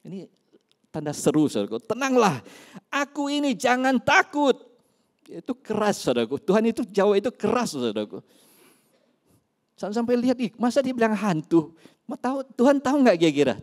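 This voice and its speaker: Man, pastor, somewhat high voice, emphatic church sermon. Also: big pitch swings, brisk. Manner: emphatic preaching, swinging loud and soft, repeats "saudaraku".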